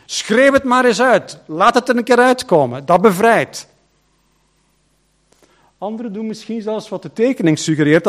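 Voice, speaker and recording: A man preaching a sermon as pastor, emphatic and full of rhetorical questions, swinging between loud and hushed. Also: sits high.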